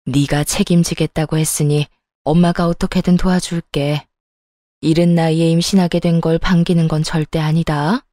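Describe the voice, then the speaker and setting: A practical, caring middle-aged mother, read by a woman narrator, speaks in a calm, reassuring way. Her voice is slightly lower than usual and mellow. The sound is close and dry, like a storybook read-aloud. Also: no room sound, natural voice.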